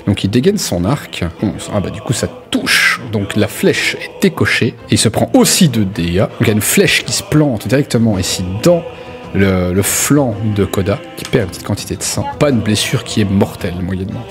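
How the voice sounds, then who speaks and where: A man's voice: on the low side, very animated, normal speed, faint music behind. A man improvising narration as game master of a tabletop role-playing game, in a hesitant, conversational way.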